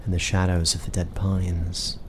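Male game master, low register, scene-setting narration, faint ambience behind. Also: monotone, measured pace, slight background noise.

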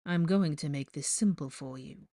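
A woman voicing an angry young man in an audiobook story, speaking in a cold, measured, threatening way. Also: low voice, dry recording, clean studio sound, lightly acted. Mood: icy demand.

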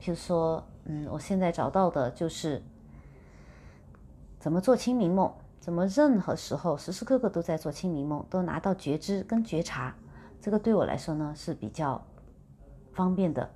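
A woman telling a personal story in a relaxed, chatty monologue and slipping English words in as she talks. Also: lowish voice, normal speed, a little hiss or hum. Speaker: vlogger sharing spiritual practice.

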